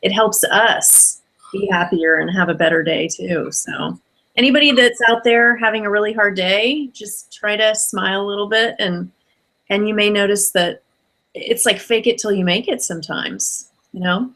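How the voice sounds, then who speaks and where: A woman's voice: medium pitch, normal speed, pushed and bright, poor audio. A woman hosting an interview and coaching, affirming her guest in a friendly way with fillers. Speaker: host and business coach. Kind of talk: conversational interview.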